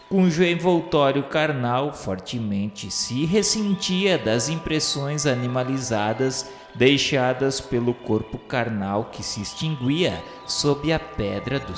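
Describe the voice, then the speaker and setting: A man's voice: medium pitch, animated. A man with a Brazilian accent gives a solemn, formal, scripted literary narration in the style of a radio novela. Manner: solemn, formal, measured delivery. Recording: echoey hall-like reverb, music behind. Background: music.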